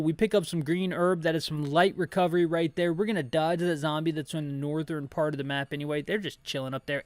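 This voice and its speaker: A man's voice: on the high side, no room sound. A man giving casual, rambling playthrough commentary, full of slangy, joking asides. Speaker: host of an audio-description game playthrough. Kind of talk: casual playthrough commentary with read-aloud dialogue.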